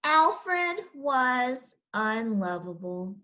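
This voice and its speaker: A woman's voice: a little high, very animated, very slow, pushed and bright. A woman teacher explaining a lesson step by step to children, then reading a picture book aloud.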